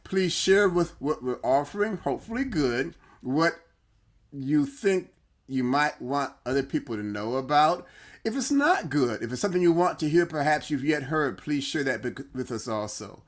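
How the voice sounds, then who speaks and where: A man's voice: a little high, big pitch swings, moderate pace. A man co-hosting a livestream talk show, talking casually, restarting and repeating words as he thinks aloud and tells anecdotes.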